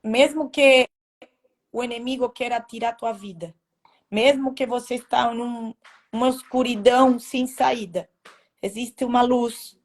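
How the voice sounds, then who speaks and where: A woman telling her personal faith testimony in a halting, emotional way, with many restarts. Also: fairly high pitch, a little mellow. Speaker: testimony speaker.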